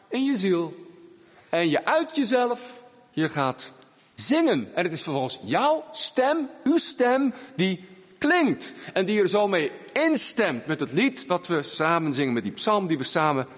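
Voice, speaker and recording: A man preaching a sermon in a church, swinging between raised emphasis and hushed, low phrases. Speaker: pastor. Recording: long church reverb.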